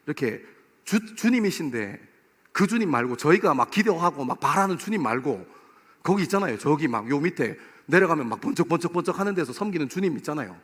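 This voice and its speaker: A pastor in his forties preaching to a young adults service in a church, playful and lively, acting out little scenes. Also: fairly high pitch, a little fast. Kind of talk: sermon. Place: church sanctuary. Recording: long hall reverb.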